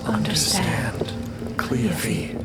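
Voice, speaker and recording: A performer voicing a serene sentient magical light that speaks in breathy, halting short phrases for an audio drama. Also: mid-range voice, sing-song. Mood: serene, earnest. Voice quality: breathy whisper. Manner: halting, terse one-word phrases. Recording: music behind.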